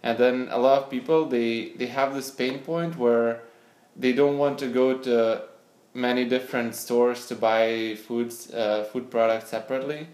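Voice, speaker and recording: A man's voice: mid-range voice, fairly even intonation, unhurried, darkish tone. A young man from Lithuania, answering interview questions hesitantly, often repeating words as he searches for them. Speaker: interview guest, scientist and startup founder. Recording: echoey room.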